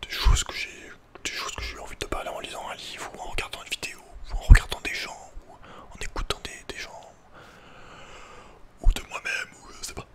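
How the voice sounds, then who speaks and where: A man whispering an informal, personal ASMR talk as host, in a hesitant, halting way. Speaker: ASMR video creator and host.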